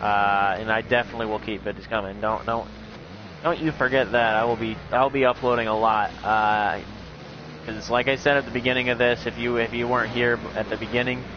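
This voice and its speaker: A man talks fairly quickly with fairly even intonation against noticeable background noise. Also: medium pitch for a man. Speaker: gaming YouTuber live streaming. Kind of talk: casual live stream commentary while gaming. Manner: loud.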